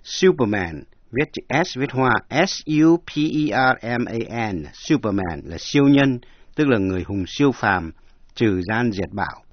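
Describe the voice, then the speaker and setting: A man's voice: on the low side, animated, no room sound, muffled recording. Man teaching English, spelling words out. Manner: spells words letter by letter, slow explanations. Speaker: language teacher. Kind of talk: bilingual English lesson narration.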